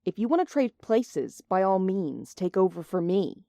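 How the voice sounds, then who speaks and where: Stern impatient henchwoman, curt n threatening, audio drama, average pitch, dry. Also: sing-song, moderate pace, dark tone, dry recording. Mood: irritated, threatening. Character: stern, impatient, menacing female go-between.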